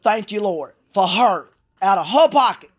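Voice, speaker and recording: A woman's voice: mid-range voice, animated, normal speed. Frustrated woman venting. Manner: frustrated, repetitive, profane ranting. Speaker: Special Olympics athlete. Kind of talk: venting vlog monologue.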